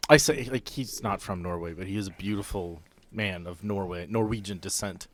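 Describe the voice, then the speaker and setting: A man's voice: deep voice, moderate pace, a bit bright, a little hiss or hum. A man hosting a podcast as game master, chatting casually and jokingly.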